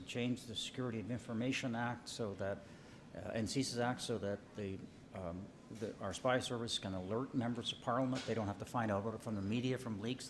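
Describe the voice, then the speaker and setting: A man questioning politicians as a reporter at a press conference, with informal, halting phrasing. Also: mid-range voice, a little hiss or hum.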